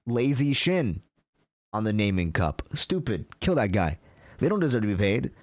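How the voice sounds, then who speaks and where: A man's voice: on the low side, big pitch swings, normal speed, a little mellow, no echo. A young man from Canada ranting casually on a live stream, swearing often and filling his talk with "like".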